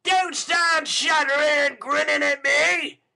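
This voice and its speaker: A man voicing a brutal, hot-tempered male robber in a storybook reading, shouting savagely. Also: very high voice, steady tone, takes it slowly, vocal fry, pitched above the performer's own voice, heavily acted.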